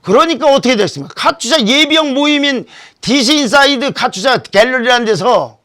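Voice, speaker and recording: High-voiced man giving emphatic commentary. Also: animated, a little fast, pushed and bright. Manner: emphatic, rhetorical questions. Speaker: political commentary show host. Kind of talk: solo political commentary.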